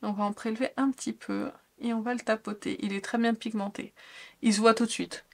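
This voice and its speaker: A woman's voice: on the high side, steady tone, a little fast, gravelly. Enthusiastic woman beauty vlogger. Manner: enthusiastic, gushing, soft asides. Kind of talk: casual makeup tutorial.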